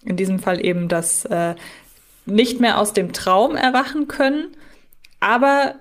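Woman podcast co-host, mid-pitched, conversational. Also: unhurried. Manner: analytical, self-correcting. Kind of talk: casual podcast discussion.

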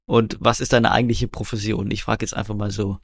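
A man co-hosting a podcast, asking questions in a playful, teasing way with quick asides. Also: lowish voice, flat delivery, no echo, clean studio sound. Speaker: podcast co-host. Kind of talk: casual podcast interview.

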